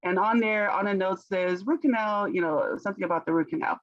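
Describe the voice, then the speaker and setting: A woman speaks English as her second language, pausing to find the right word and laughing lightly between thoughts. The sound is dry and a bit muffled, as if on a modest mic. She is a company founder explaining her services in an interview. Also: mid-range voice, no echo. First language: not English. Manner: thoughtful, searches for words, laughs often. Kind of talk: conversational business interview.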